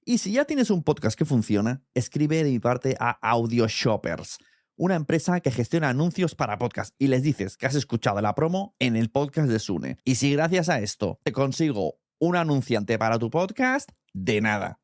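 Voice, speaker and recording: A man's voice: medium pitch, big pitch swings, moderate pace, no room sound, clean studio sound. A man with an accent from Spain, presenting a podcast in a chatty, conversational way. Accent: Spain Spanish. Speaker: podcast host.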